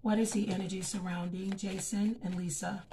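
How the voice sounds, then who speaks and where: A woman's voice: medium pitch, level tone, moderate pace, mellow. Scratchy-voiced woman doing a tarot reading. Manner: chatty, frequent um and okay. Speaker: tarot reader. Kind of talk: casual tarot reading to camera.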